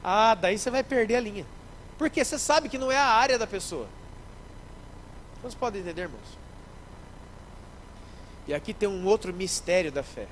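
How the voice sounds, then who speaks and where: A man, a pastor preaching a sermon in church, lively, acting out little scenes and speaking straight to the congregation. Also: high-pitched, moderate pace, long pauses, a little hiss or hum, rough recording. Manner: animated, acts out scenes, addresses the congregation directly.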